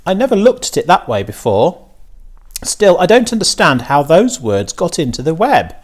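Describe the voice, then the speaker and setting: Guy doing an anxious farm mom in a kids storybook, fretful, questioning, pitch jumps around a lot. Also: big pitch swings, normal speed. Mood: worried. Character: anxious, plain-minded farm mother. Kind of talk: children's storybook reading.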